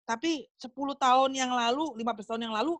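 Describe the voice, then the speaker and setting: A woman's voice: sits high, fast, no echo. A woman preaching a casual sermon, chatty and acting out little dialogues. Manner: chatty, acts out dialogues with God. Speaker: preacher at a small group meeting.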